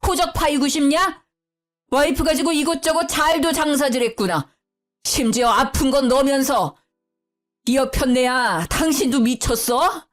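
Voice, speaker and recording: A woman's voice: sits high, a little slow, faint music behind, voice pushed up. A woman doing a stern old father-in-law. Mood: angry. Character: stern elderly father-in-law scolding his son.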